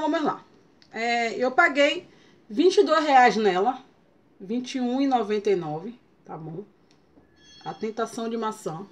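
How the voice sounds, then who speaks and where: Young woman, Brazilian accent, high-pitched, tongue-tied speech, playful, chatty product review. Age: young adult. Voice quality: tongue-tied speech impediment, stumbles on hard words. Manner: playful, stumbling over words. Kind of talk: casual vlog product review. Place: small bedroom, indoors.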